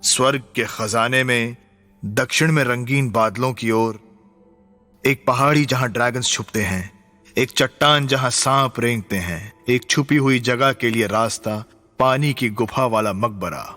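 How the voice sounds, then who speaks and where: A bright, grave film storyteller. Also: male voice, mid-range voice, a little slow, faint music behind. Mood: solemn. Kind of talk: dubbed film narration.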